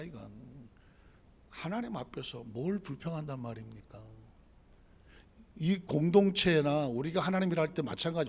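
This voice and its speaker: A man's voice: fairly high pitch, creaky, a bit bright, breathy edge. A male pastor preaching a sermon, firing off rhetorical questions that build to emphatic peaks. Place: church sanctuary. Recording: church sanctuary with long reverb.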